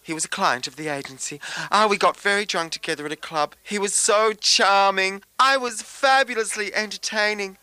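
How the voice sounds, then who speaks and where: A woman's voice: medium pitch, moderate pace, few pauses, pushed and bright, clear, resonant tone, dry recording, close to an everyday voice. A woman playing a dramatic, anxious, easily tearful young dating-agency owner in a comic radio drama. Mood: distraught. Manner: melodramatic, whiny.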